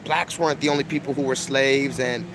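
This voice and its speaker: A man's voice: medium pitch, fairly even intonation, fairly quick. A young man lecturing emphatically to his online audience on a phone, repeating his points. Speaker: online video host. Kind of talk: preachy casual monologue. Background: street noise, crying children.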